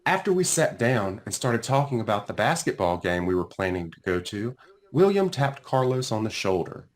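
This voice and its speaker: A man reading his own children's book aloud in an expressive storytelling style, with dramatic pauses and drawn-out phrases. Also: lowish voice. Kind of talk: animated children's read-aloud narration.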